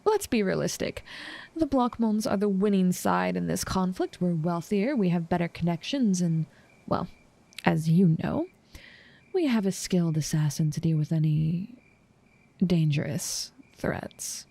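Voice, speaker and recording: Creaky-voiced, smitten female assassin, acted by a woman. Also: lowish voice, expressive, mellow, exaggerated voice. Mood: coolly persuasive. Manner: teasing, formal, measured menace. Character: obsessive, smug female assassin smitten with her target. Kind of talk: intimate roleplay audio drama monologue.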